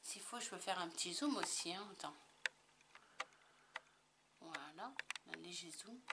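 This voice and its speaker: A woman's voice: lowish voice, animated, a little slow, heavy background noise. A woman chatting casually to the camera in a makeup tutorial, rambling with lots of fillers and restarts. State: tickly throat. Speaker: makeup vlogger.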